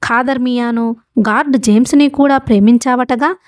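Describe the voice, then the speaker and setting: A woman's voice: fairly high pitch, steady tone, moderate pace, a little mellow, no echo, close to an everyday voice. A woman voicing a bold young dancer who teases in a brash, mocking way.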